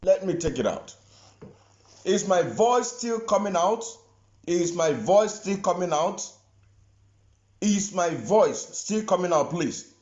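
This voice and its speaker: A man addresses his livestream audience in a high, animated voice, repeating himself insistently. The room rings around him. The audio is muffled and lo-fi. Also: takes it slowly, pauses often, echoey room. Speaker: activist livestreamer. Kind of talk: livestream commentary.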